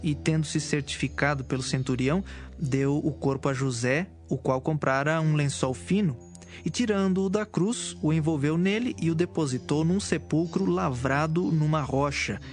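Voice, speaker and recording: Higher-pitched man narrating scripture. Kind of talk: scripted audio Bible narration. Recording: music behind the voice.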